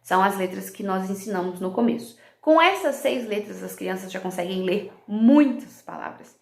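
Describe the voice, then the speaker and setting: Gravelly woman teaching in an echoey room. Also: mid-range voice, expressive, normal speed, a little mellow. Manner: explanatory, checks in with "ok?" and "tá?", slips into English words. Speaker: English teacher.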